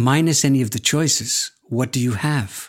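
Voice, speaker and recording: In a very clean recording with a silent background, a man speaks at a medium pitch, somewhat breathy, with ordinary pitch variation. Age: 60s. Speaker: author and speaker. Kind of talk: interview conversation, reflective. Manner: formal, deliberate, abstract.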